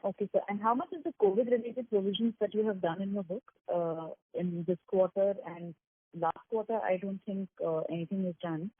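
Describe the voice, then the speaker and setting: On an earnings call, a woman analyst with a mid-range voice speaks fairly quickly, asking detailed, probing, numbers-focused questions about the figures. She's on a phone, and her voice sounds husky over the line.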